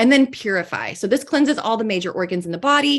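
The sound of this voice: A woman talks with lively intonation. Her pace is moderate.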